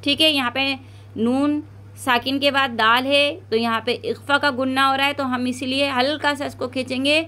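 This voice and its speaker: A woman teaching Quran recitation step by step, drawing out each word slowly to model it, then explaining quickly, with a South Asian Urdu accent. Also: sits high, level tone, pushed and bright.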